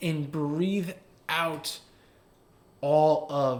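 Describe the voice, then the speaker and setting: A man speaks with fairly even intonation in a fairly high voice. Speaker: wellness coach. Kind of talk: guided breathing exercise. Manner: calm.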